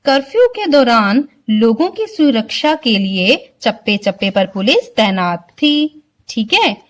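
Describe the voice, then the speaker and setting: Slow, lively-voiced woman Hindi teacher. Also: fairly high pitch. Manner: slow, explains word by word, keeps asking if clear. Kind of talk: online vocabulary lesson for children.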